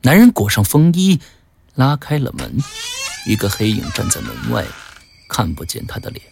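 A man narrating a suspenseful story in a slow, hushed way. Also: medium pitch, huge pitch swings, vocal fry, a little hiss or hum.

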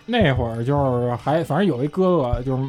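A man, casually telling a childhood story on a podcast, animated and swearing freely. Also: medium pitch, brisk, over music. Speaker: podcast co-host.

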